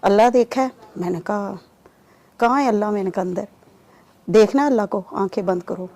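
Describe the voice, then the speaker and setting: A woman giving a personal testimony in an interview, telling her story in a lively way and acting out the remembered dialogue. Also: medium pitch, normal speed. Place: lives in Saudi Arabia.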